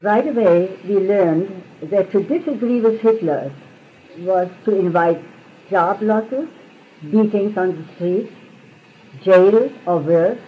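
An older woman from Germany, heard on an old archival oral-history recording played back, telling her memories slowly and measuredly. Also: medium pitch. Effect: old archival interview recording played back. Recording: tinny lo-fi archive tape with faint hiss.

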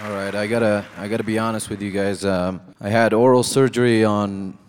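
A man from Iraq doing a stand-up comedy set on a live stage, deadpan and halting, with many pauses and fillers. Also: fairly low pitch, background noise. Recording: reverberant venue with crowd.

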